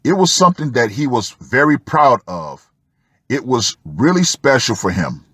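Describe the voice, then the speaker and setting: A man hosting an online commentary show, reading a post aloud and commenting with deliberate, dramatic emphasis and drawn-out words. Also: medium pitch, big pitch swings, fairly bright tone, slightly rough, no echo, studio quality.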